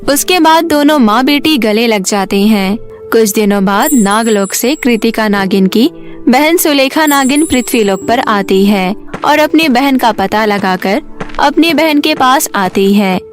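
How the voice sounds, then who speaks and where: A woman narrates a scripted story for children. Her voice sits high. Light music plays behind the narration. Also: lively intonation, measured pace. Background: background music.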